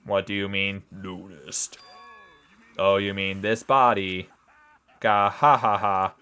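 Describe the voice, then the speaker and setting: A man voicing a brash, hulking male robot with slow, booming talk and bellowing laughs. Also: flat delivery, sharp tone, clean tone, heavily acted. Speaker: let's play commentator.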